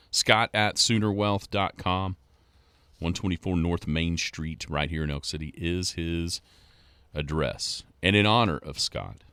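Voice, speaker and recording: A man's voice: on the low side, a bit bright, no echo. A man hosting a sports radio show, chatting in an easygoing, joking, rambling way as he runs through scores.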